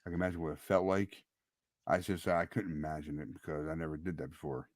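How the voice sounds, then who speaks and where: A man co-hosting a casual sports podcast, excitable and tripping over his words, his voice a little worn from yelling. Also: rumbling low, quick pace, dry recording. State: voice nearly lost from yelling. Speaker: podcast co-host.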